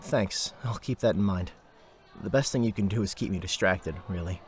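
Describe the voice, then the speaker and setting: An actor playing a troubled, earnest and proud young jeweler's apprentice in a fantasy audio drama. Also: male voice, sits low, normal speed, soft background music, lightly acted. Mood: subdued.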